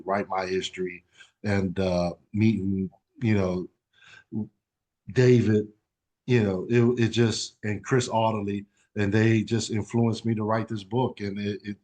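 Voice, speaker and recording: A man's voice: lowish voice, flat delivery, a little slow, darkish tone. A man in his forties, raised in Okinawa and Savannah, a retired Army veteran and author who speaks plainly with many uhs and "you know". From Okinawa, Japan and Savannah, Georgia. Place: radio studio.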